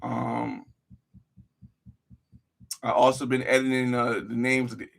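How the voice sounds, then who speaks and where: A man's voice: mid-range voice, little pitch movement, takes it slowly, gravelly. A man YouTuber giving casual live-stream commentary to his viewers, muttering to himself as he edits at a desk mic. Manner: laid-back, talks to viewers as "y'all", mutters while working.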